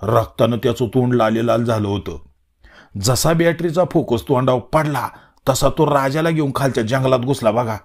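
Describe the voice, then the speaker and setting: A man's voice: medium pitch, moderate pace, lightly acted. A man voicing a village man with a rural Marathi dialect, urgently reporting a leopard he saw. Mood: alarmed. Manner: urgent, shouting, excited.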